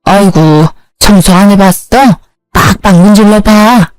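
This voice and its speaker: A woman's voice: mid-range voice, measured pace, darkish tone, dry recording, faint music behind, natural voice. A woman voicing a nagging middle-aged mother-in-law who runs a hair salon and orders people about. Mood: bossy. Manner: scolding, bossy.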